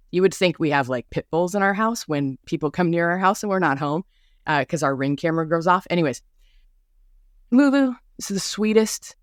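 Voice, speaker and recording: A podcast host with a low-pitched voice delivers a casual, rambling monologue that's bubbly, chatty and full of asides. A mild speech impediment shows on some of her R sounds, and the studio recording is clean with no room sound.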